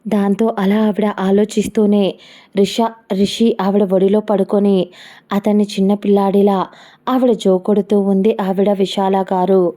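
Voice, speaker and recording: Woman reading a story out, even and steady, dark mellow voice. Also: mid-range voice, measured pace. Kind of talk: storytelling narration.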